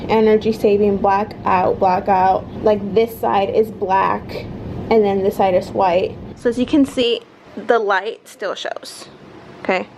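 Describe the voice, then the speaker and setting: A young woman vlogs from home, moving between her bedroom and the stairs as she casually reviews products. She chats straight to viewers, calling them "guys" and filling her talk with ums and likes. Her voice is medium-pitched and creaky, with noise in the background.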